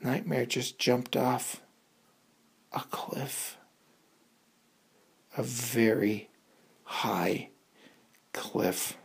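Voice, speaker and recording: Woman doing a dramatic kids bedtime story, super low husky voice, slow and suspenseful. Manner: suspenseful, repeating words for effect, with hushed asides.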